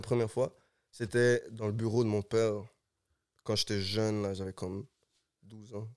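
The recording is very clean, with a silent background. A man with a medium pitch speaks with big swings in loudness and long, frequent pauses. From Montreal, Côte-des-Neiges. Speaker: rapper and producer. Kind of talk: casual interview chat.

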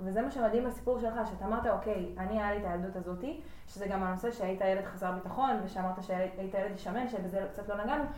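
Over noticeable background noise and audible room echo, a woman speaks at a fairly quick pace. Her pitch is medium, with ordinary variation. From Israel, Hod HaSharon. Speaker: podcast host. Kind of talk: casual interview.

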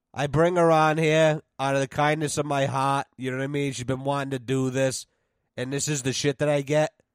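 With a strong Rhode Island accent, a man talks fairly quickly in a fairly high, monotone, flat voice. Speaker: podcast host. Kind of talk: casual chat. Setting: home recording. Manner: casual, filler-heavy, uses old-fashioned vocabulary.

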